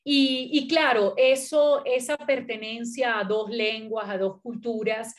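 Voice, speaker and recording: A middle-aged woman from Venezuela whose first language is Italian, a poet and critic, speaks thoughtfully at an academic panel with many pauses, fillers and restarts. Her voice is fairly high in pitch and steady in tone.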